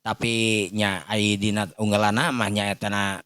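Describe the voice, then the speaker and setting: A man's voice: fairly low pitch, little pitch movement, measured pace, fairly bright tone, smooth, no echo, clean studio sound. A man with a Sundanese accent voicing a deferential henchman in a folk tale, speaking hesitantly and respectfully to his master. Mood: deferential, puzzled.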